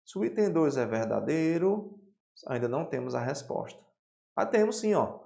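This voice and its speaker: Brazilian teacher checking in with "tá?". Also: male voice, a little high, normal speed, creaky, lo-fi sound. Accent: Brazilian Portuguese. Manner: lively explaining, frequent "tá?" and "né?" checks. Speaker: Portuguese teacher. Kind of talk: exam-prep lesson, solving questions. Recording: roomy echo.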